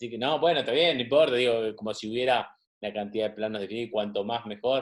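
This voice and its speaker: A man with a Rioplatense accent talks at a very fast pace with ordinary pitch variation. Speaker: psychiatrist. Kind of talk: casual conversation. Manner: halting.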